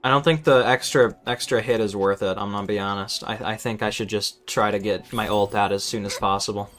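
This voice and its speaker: A man's voice: fairly low pitch, fairly even intonation, fairly quick, a bit bright. A man streaming a game with casual, exasperated, sweary running commentary, often stammering over repeated words. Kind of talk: casual live gameplay commentary. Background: game music.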